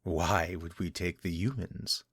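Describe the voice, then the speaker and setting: An actor playing a cruel, centuries-old vampire lord who taunts his captive, speaking in a husky, condescending way. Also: low-pitched, fairly bright tone, no echo, exaggerated voice. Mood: contemptuous. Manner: taunting, condescending, slow and deliberate. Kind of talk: audio drama, one-sided dialogue.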